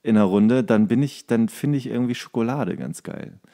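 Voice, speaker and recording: A man's voice: medium pitch, moderate pace, dark tone. A man hosting a podcast in casual, joking chat, given to playful exaggeration. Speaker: podcast host.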